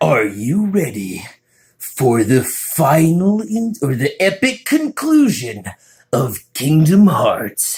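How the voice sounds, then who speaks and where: Putting on a character voice, a man with a fairly high pitch uses a dramatic tone and very wide pitch swings at a very slow pace. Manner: epic, dramatic.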